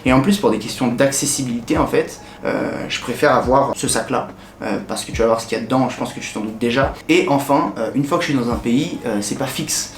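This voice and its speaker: A young French man in a casual vlog, chatting directly to the viewer in a relaxed way with many hesitations. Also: mid-range voice, a little fast. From France. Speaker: vlogger. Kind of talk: casual talk to camera. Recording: echoey room with faint ambient noise.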